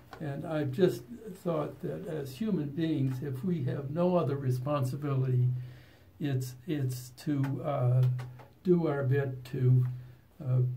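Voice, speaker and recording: Audible room echo surrounds a man whose fairly high, somewhat breathy voice has a dark, mellow tone, fairly even intonation, a very slow pace and long, frequent pauses. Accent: American. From US Midwest. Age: 80s+. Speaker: retired business executive and author. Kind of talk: interview conversation.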